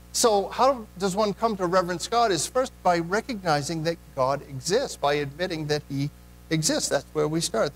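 A man's voice: sits high, rough recording. A man preaching a sermon in a church, earnest, putting direct questions to the congregation. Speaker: pastor.

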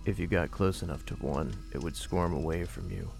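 A man narrating a first-person horror mystery audio drama in a measured storytelling manner. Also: deep voice, vocal fry, a little mellow. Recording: music bed under voice.

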